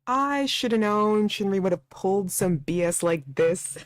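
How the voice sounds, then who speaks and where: A woman's voice: mid-range voice, animated, unhurried, no echo, clean studio sound. A woman playing a visual novel and commenting casually, thinking aloud in a playful, slangy, informal way. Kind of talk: casual let's play commentary with read-aloud game dialogue.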